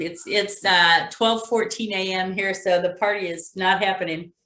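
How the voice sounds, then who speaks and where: A woman's unremarkable speaking voice at a medium pitch, with fairly even intonation and a moderate pace. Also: hardly any pauses. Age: 60s. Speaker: event host, former call center manager. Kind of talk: casual chat.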